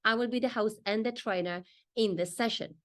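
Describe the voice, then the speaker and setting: A woman's voice: on the high side, fairly bright tone. A middle-aged woman from Poland with a Polish accent, presenting a business training session in an earnest, explanatory way. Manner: earnest, explanatory, pauses often in short phrases.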